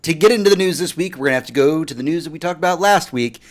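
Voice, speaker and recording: A man's voice: fairly high pitch, racing. A man hosting a casual podcast on pop culture and gaming news, speaking informally and with emphasis. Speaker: podcast host.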